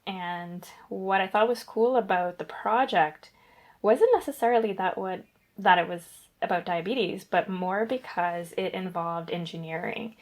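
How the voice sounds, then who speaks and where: A woman's voice: lowish voice, unhurried. A young woman from Guyana, a guest researcher, answering interview questions in a chatty, rambling way with fillers and self-corrections.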